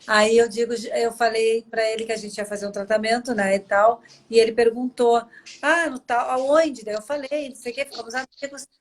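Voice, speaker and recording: A woman's voice: on the high side, fairly even intonation, a little fast, hardly any pauses. A Brazilian woman in her forties hosting a live video chat, telling personal stories with emotion. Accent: Brazilian Portuguese. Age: 40s. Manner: emotional storytelling, warm and chatty. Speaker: host. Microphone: video call.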